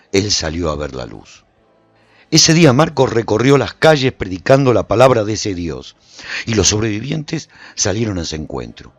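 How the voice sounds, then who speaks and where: Radio serial narrator: weary apocalypse survivor, low-pitched, rough-edged, suspenseful storytelling in a dry studio sound. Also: male voice, dry recording. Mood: solemn storytelling. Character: weary, wary male survivor recounting his journey after apocalypse. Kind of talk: scripted dramatic first-person radio serial narration.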